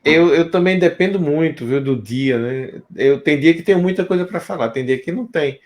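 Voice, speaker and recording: A man from Pernambuco with a Recife accent, hosting an interview in a calm, casual way with short affirming replies. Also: on the high side, moderate pace. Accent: Recife Pernambucan Portuguese. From Pernambuco, Brazil. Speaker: podcast interviewer.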